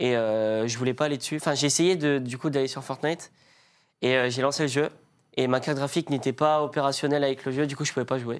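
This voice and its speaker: On a very clean recording with a silent background, a man with a plain, everyday voice talks at a fairly quick pace, with a fairly high pitch and fairly even intonation. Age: 20s. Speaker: pro gamer. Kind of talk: interview.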